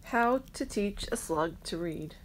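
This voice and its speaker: A woman teacher reading a children's picture book aloud, slowly and clearly, with sing-song rhymes. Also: mid-range voice, lively intonation, slight background noise, rough recording.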